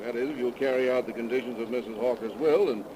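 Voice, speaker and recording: A courteous, measured gentleman explains matters in a formal, proper tone, as an actor plays him. His mid-range voice is steady and businesslike. A thick hiss runs under the old broadcast. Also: mid-range voice, close to an everyday voice. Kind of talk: 1930s radio drama acting. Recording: hissy 1930s radio broadcast recording.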